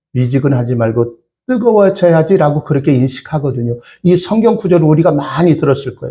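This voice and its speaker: Fairly high pitch for a man, with a dark, mellow tone, a somewhat breathy quality and ordinary pitch variation. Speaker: pastor. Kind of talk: sermon. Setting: church. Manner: speeds up as sermon goes on.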